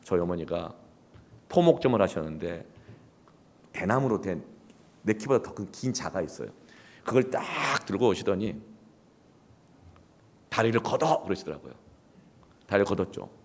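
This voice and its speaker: A man with a low voice preaches with a rising and falling, animated delivery. He moves from hushed, near-whispered asides to sudden emphatic bursts. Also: normal speed, pauses often. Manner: emphatic, swings from hushed to loud outbursts. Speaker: pastor. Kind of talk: sermon with personal storytelling.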